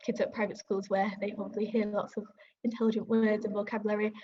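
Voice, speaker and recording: A somewhat breathy woman's voice at medium pitch with a Northern English accent. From northern England (Selby, near York). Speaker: university student. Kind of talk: panel discussion.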